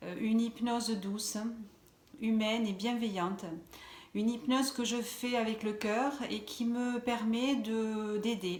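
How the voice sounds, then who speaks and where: At a very slow pace, a woman with a southern French accent speaks at fairly high pitch with fairly even intonation, amid audible room echo and noticeable background noise. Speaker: hypnotherapist. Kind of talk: recorded video self-introduction.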